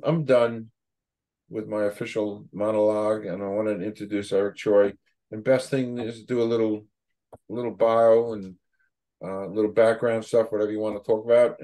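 An older man with a fairly low voice hosts a casual interview over a video call. He rambles in an emphatic way, often doubling back on words to stress them. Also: steady tone, moderate pace, mellow. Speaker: show host. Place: home office on a video call.

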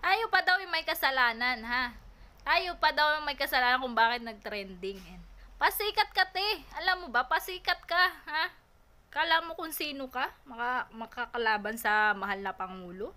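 A woman's voice: high voice, expressive, moderate pace, bright, forceful tone. A Filipino woman vlogger living abroad, scolding and mocking someone in a heated reaction rant, repeating her taunts. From Philippines. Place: home in Taiwan.

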